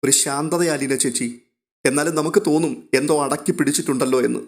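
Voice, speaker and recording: A man voicing an eager, chatty young girl who reports news excitedly. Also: fairly high pitch, a little fast, lightly acted.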